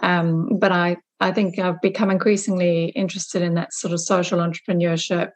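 Lower-pitched middle-aged woman interview guest. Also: little pitch movement, moderate pace. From Zimbabwe. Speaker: guest, business owner. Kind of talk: conversational interview answers.

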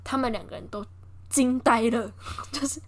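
Lively high-voiced young woman storyteller. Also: normal speed. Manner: lively, acts out quotes with voice shifts and laughs. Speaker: host retelling a film. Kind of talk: casual storytelling chat.

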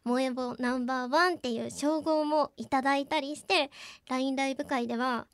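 With background music beneath her, a young woman's high, cute, girlish, anime-like voice comes through in studio quality with no room sound. She speaks fairly quickly with fairly even intonation, polite and earnest, as a live streamer and radio co-host in a radio-style personal talk.

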